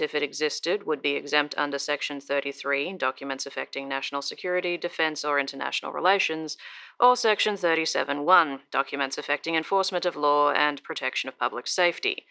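Government officer, female, low-pitched, clear crisp delivery, formal, officious, bureaucratic, audio drama. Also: pushed and bright. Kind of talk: reading formal official correspondence.

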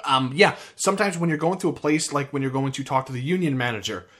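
A man's voice: a little high, fast talker, a bit bright. A man with an American accent, co-hosting a podcast about a video game in casual, rambling chat full of restarts. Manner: rambling, with frequent restarts and fillers. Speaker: podcast co-host.

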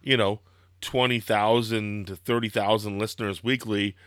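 A young man with a slightly hoarse, throaty voice, hosting a casual wrestling podcast and rambling excitedly with lots of fillers. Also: lowish voice, moderate pace, dry recording, studio quality. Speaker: podcast host.

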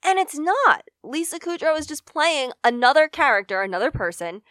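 A woman's voice: sits high, lively intonation, moderate pace, bright, forceful tone, no echo, clean studio sound. A woman co-hosting a podcast, chatting casually in an emphatic, mock-indignant way. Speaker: podcast co-host. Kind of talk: casual pop culture chat.

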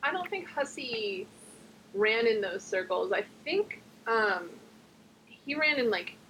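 A woman's voice: a little high, lively intonation, slow pace, fairly bright tone, slight background noise, low-quality recording. A young woman from New Jersey co-hosting a podcast, rambling casually with lots of fillers. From New Jersey, USA. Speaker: podcast co-host. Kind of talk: casual chat.

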